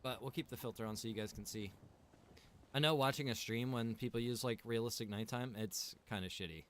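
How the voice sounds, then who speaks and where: A man's voice: medium pitch, a little fast, slight background noise. A man streaming a survival game, chatting casually and rambling to his viewers while he plays. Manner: relaxed, rambling, greets chat viewers by name.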